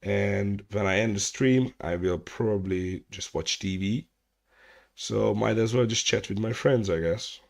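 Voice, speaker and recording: Man, slow unhurried delivery, lowish voice, casual rambling livestream chat, swears, restarts sentences. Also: gravelly, darkish tone. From Hungary. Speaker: streamer hosting a chat hangout. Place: at home.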